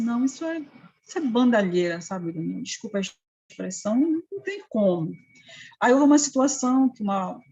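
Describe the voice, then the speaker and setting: A woman's voice: mid-range voice, darkish tone, husky, highs cut off. A middle-aged woman from Amapá, Brazil, with a local Brazilian Portuguese accent, telling her own story earnestly and acting out the dialogue she quotes. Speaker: interviewee. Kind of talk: personal testimony.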